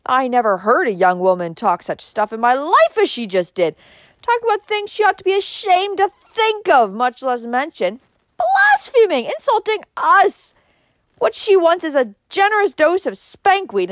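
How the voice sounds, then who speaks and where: A woman's voice: mid-range voice, very animated, moderate pace, no echo, natural voice. A woman voicing an angry, blustering older man from a storybook, snorting and growling with emphatic scorn. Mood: outraged.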